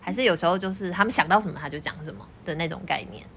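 A woman with a Taiwanese Mandarin accent hosting a casual interview, chatty, inquisitive and expressive. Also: lowish voice, very fast, a little hiss or hum. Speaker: podcast host and teacher.

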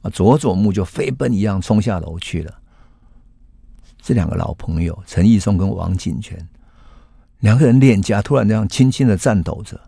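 A man, hosting a historical storytelling podcast in an unhurried, reflective way. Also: fairly low pitch, gravelly, dark tone, slightly rough, no room sound, clean studio sound. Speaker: host and storyteller.

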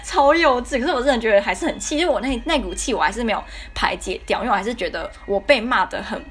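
Young Taiwanese woman podcaster, Taiwanese Mandarin accent, rapid-fire casual monologue, blunt and indignant. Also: a little high, expressive, breathy edge. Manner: candid, indignant storytelling with frequent fillers. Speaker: podcast host.

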